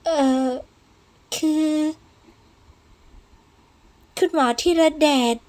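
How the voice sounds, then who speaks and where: A woman's voice: extremely slow, a little mellow. A woman voicing a timid, deferential young female servant who speaks politely and hesitantly.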